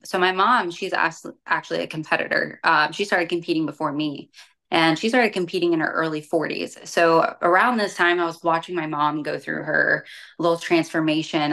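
Low-pitched young woman, casual storyteller. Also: fairly even intonation, moderate pace, a bit bright. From born in Europe, grew up partly in the United States. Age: young adult. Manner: conversational, frequent "like" and "you know". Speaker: bikini competitor and fitness coach, podcast guest. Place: small room at home.

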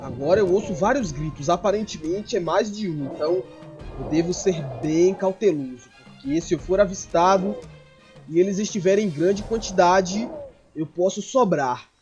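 A young man with a Brazilian Portuguese accent gives in-character gameplay commentary, voicing his creature in first person. His talk is excitable and often tips into panicked yelling. Faint game music plays under his voice. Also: high voice, moderate pace, dull audio. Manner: excitable, swings into panicked shouting. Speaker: gameplay streamer.

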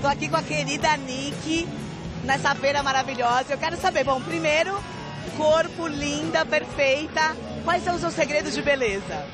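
A bubbly young woman reporter interviews people at a sports expo. Her voice sits high and bright as she talks into a handheld mic. Music and a chattering crowd fill the big hall behind her. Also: normal speed. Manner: bubbly, complimenting. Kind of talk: on-the-spot fair interview. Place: busy indoor sports expo.

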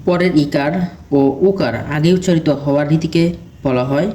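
A man with a somewhat high, mellow voice works through exam questions one after another, stating each question and then its answer. His delivery is steady and methodical, like a teacher drilling students. A faint hiss of background noise sits under the recording. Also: moderate pace. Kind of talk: reading quiz questions and answers.

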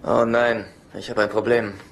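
An actor playing a nervous, easily tempted chiropractor in a dubbed sitcom, halting and exasperated. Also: male voice, on the low side, little pitch movement, creaky. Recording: noisy sitcom soundtrack with studio audience laughter.

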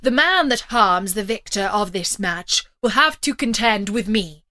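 A woman reading a storybook, voicing a humble, honourable knight in an earnest, deliberate way. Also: medium pitch, expressive, sharp tone, no echo. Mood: firm.

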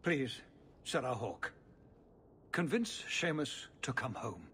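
An actor playing a dignified, worried older nobleman and father in a video game, speaking formally and gravely, with a pleading manner. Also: medium pitch, big pitch swings, takes it slowly, a bit bright, slight background noise.

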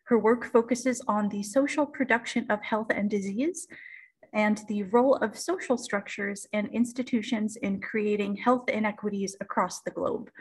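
A woman's voice: medium pitch, fairly even intonation, normal speed, husky. A young woman hosting an interview over a video call, reading an introduction and then asking a question. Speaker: host, interviewer. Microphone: video call webcam.

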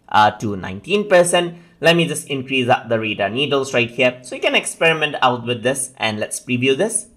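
A man presenting a software tutorial as a voice-over, explaining things step by step in an instructional way. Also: mid-range voice.

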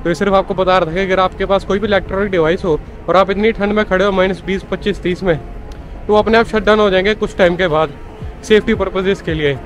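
A man's voice: high voice, steady tone, fast, soft background music. A young man chatting casually as he vlogs outdoors on a snowy city street, mixing Hindi with English and calling viewers "bhai", recorded on a handheld camera. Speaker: vlogger. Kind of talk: casual walking-tour vlog.

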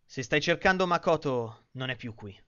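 A man in an amateur anime fan dub playing a girl-crazy, excitable teenage schoolboy, melodramatic and swinging between outbursts and hushed lines. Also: fairly high pitch, normal speed. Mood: subdued, serious. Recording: dull lo-fi home recording.

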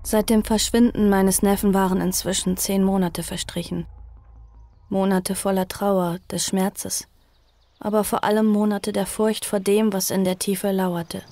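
A woman playing a young narrator who recalls a horror in measured first-person storytelling for an audio drama. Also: mid-range voice, level tone, dark tone, close to an everyday voice. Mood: grave. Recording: music behind the narration.

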